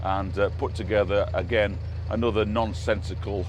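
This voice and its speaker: A man's voice: lowish voice, fairly even intonation, moderate pace. A man with an English accent chatting casually and jokily as he narrates a boat trip. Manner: jokey, bantering. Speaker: narrowboat vlogger. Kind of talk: casual chat, commentary while cruising. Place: outdoors on a narrowboat on a canal. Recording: outdoor recording with loud boat engine hum. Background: engine hum, outdoor noise.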